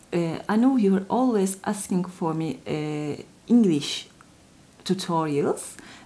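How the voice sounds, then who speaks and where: A woman with a Turkish accent and a dark, mellow tone speaks at a fairly slow pace with lively intonation. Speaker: crochet youtuber. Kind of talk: channel announcement. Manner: halting, many fillers.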